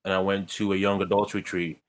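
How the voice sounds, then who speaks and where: A man from Ghana, a guest in a conversation, telling his life story in a measured, earnest way with light self-deprecating humor. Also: sits low, flat delivery.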